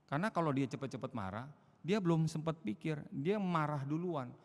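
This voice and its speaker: A male pastor preaching a sermon, asking rhetorical questions and answering them himself, swinging from quiet to loud emphasis. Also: fairly high pitch, expressive, fairly quick. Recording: long hall reverb.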